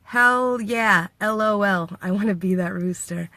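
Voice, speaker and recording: Her mid-range voice has a sharp tone, and she talks a little slowly, with no echo. She is a vlogger from Washington State in the United States, chatting playfully in a casual vlog while laughing often and acting out what others said.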